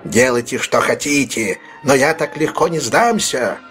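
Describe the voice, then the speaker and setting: A man voicing a brutal, desperate male robber with a slow, threatening delivery. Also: mid-range voice, expressive, a bit bright, faint music behind.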